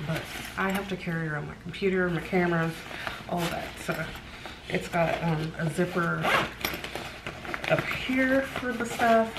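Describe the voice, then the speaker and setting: A middle-aged American woman chatting casually to camera as a vlogger in a hotel room. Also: lowish voice. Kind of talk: casual vlog chat, showing items to camera. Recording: clearly noisy room sound.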